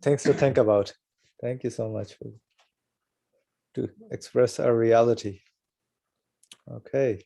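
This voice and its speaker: A man reading aloud from a religious text and calmly affirming his teacher. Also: medium pitch, slow, creaky, pauses often. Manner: calm, brief affirmations. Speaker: study partner reading the text.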